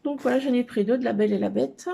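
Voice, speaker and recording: A woman's voice: a little high, fast, gravelly, dark tone, husky. A middle-aged woman casually chatting at home as she shows off her craft haul, hesitant, with many fillers. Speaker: craft vlogger showing a haul. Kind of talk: casual show-and-tell chat. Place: at home indoors.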